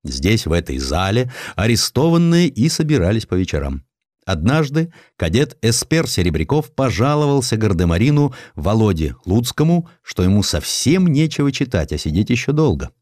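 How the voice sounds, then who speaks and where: A man with a low voice narrates historical prose in a scripted, dramatized style. His pitch moves in wide, animated arcs as he tells the story expressively. The sound is dry, with no room around it. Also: moderate pace, no room sound. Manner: expressive storytelling, acting out quoted lines. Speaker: audiobook narrator.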